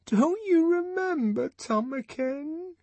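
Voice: mid-range voice, big pitch swings, dry recording, voice pushed up. A reader voicing a desperate, anguished middle-aged woman from a novel, pleading in a trembling, wailing voice. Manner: wailing, trembling, drawn-out cries.

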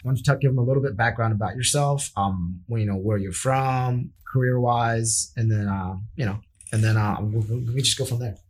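A man's voice: medium pitch, brisk. A man hosting a podcast interview. He reads a polished intro, then ad-libs with many "uh"s and restarts. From United States. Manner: scripted-sounding intro, then hesitant with frequent fillers when ad-libbing. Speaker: podcast host. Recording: echoey room with faint music.

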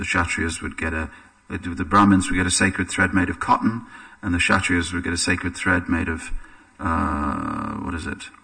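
A deep, gravelly-voiced English man leads a scripture class, speaking in a relaxed, anecdotal way and pausing on fillers. His voice is husky and comes from some distance away from the mic. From England. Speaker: religious teacher. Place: temple hall.

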